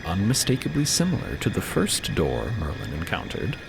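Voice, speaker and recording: A man's voice: low-pitched, huge pitch swings, normal speed, creaky, background noise. A man narrator reading scripted, dramatic storytelling for an audio drama. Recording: voice under loud background music.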